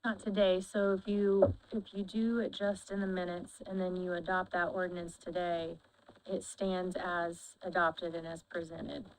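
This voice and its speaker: Brief: female adviser, low, even, smooth voice, patient explanation. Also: unhurried, slight background noise, rough recording. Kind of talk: explaining procedure in a meeting.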